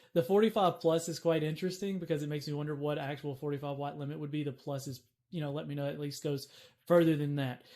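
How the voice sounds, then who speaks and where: A man with a Southern US accent talks at a very fast pace and fairly high pitch with fairly even intonation, recorded very cleanly over a silent background. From US South. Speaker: tech YouTuber live-streaming. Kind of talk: live stream commentary and chat. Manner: casual, hesitant with fillers.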